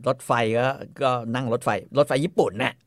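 A man's voice: a little fast, no echo, studio quality. A man casually retelling a story in a podcast chat, crude and full of fillers and repeats. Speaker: storyteller host.

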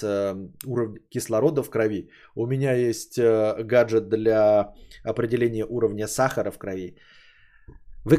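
A man in his late thirties hosts a loose, chatty stream. He rambles with plenty of fillers and turns opinionated, and his dark, mellow voice climbs higher whenever he gets worked up. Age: 30s. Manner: rambling and opinionated, many fillers, rises in pitch when indignant. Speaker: podcast host streaming. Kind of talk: casual stream chat reading donations.

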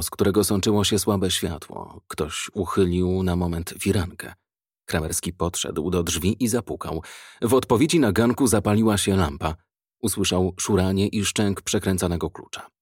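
A man narrating an audiobook in a measured, dramatic storytelling manner. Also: low-pitched, breathy edge, no echo, studio quality.

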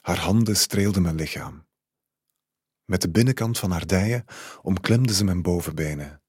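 A man calmly narrating a literary short story in the first person. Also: low voice, moderate pace, breathy edge, dry recording, clean studio sound.

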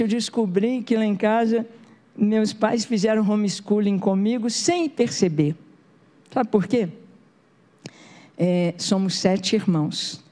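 A woman's voice: medium pitch, dark tone. A woman pastor giving a sermon as a story, talking to the congregation like a conversation and often asking them questions.

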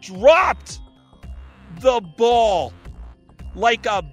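A man hosting a podcast, telling stories in a profane, animated casual chat. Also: very high voice, extremely slow, faint music behind. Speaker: podcast host.

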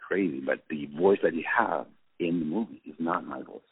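A man with a French accent, a film director, telling anecdotes in an interview with many halting restarts and fillers. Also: very deep voice, creaky, husky, no echo. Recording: tinny phone-line audio.

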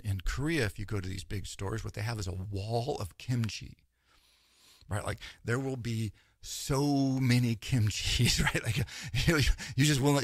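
Man, rambling animated lecture talk, husky, dry close recording. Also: medium pitch, no echo. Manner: animated, rambling, rhetorical asides and frequent "right?". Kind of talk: casual lecture-style talk.

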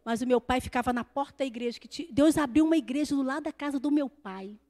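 A woman preaching an evangelical sermon. She moves from soft, reflective storytelling to loud, shouted praise. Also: sits high, quick pace. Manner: acts out other people's voices in quotes.

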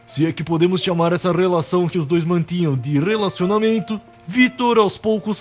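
A man's voice: high voice, darkish tone. A man playing a nervous, rambling, exasperated Santa Claus in a comedic radio play. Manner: theatrical, long-winded, exasperated. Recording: music behind the voice.

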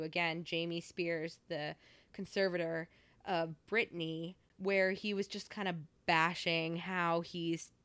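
A woman's voice: lowish voice, fairly bright tone, clear, resonant tone, no room sound. A young woman co-hosting a podcast in casual chat, talking loosely with many fillers. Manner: chatty, many fillers like "like" and "you know". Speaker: podcast co-host.

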